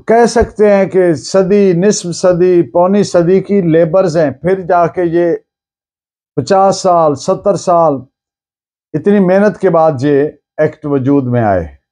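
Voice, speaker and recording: A law lecturer from Pakistan talks in a fairly high yet mellow voice, moving very slowly and deliberately. He explains things point by point, repeats himself for emphasis, and mixes English terms into his speech.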